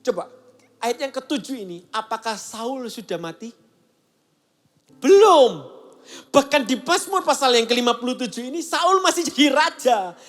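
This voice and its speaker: A man's voice: extremely high pitch, expressive, normal speed, a bit bright, soft background music. A male pastor giving a casual, conversational sermon and acting out the voices he quotes. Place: church service broadcast.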